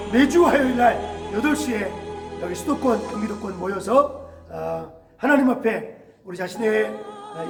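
High-voiced pastor over a PA system. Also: male voice. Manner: preachy, frequent drawn-out "ah" fillers. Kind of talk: church announcement and prayer. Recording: echoey church hall with music.

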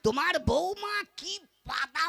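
A woman's voice: extremely high pitch, animated, unhurried, creaky, exaggerated voice. A woman voicing a hysterical young husband in a comic folk puppet play, wailing and melodramatic. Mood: complaining. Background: folk instrumental music.

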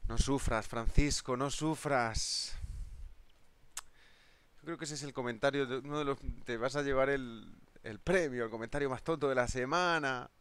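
A man's voice: medium pitch, brisk, few pauses, fairly bright tone, smooth, no echo. A man with a Spanish accent from Spain, hosting a live trading stream in a jokey, chatty way, answering viewer comments and laughing often. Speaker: trading webinar host.

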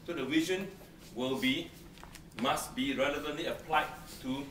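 A middle-aged man from Singapore, giving a brisk classroom lecture on debating, teasing students and repeating his key points. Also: a little high, a bit bright. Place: large brick-walled seminar room. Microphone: far camera, no close mic. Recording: roomy, distant camera audio with room noise.

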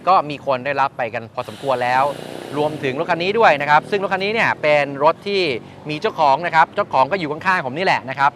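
A man's voice: a little high, fast, a bit bright. A man hosting a casual review and interview, explaining things and checking back with his guest. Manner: explanatory, repeats and confirms the guest's answers. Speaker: host, motorcycle reviewer. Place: at a shop beside traffic. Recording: outdoor noise, vehicles behind.

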